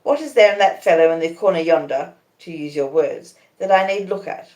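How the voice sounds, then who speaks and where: A woman's voice: on the low side, a little fast, a little mellow, reverberant, lightly acted. A woman voicing a proud, aloof young society beauty with a dismissive manner in a story reading. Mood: cool, aloof.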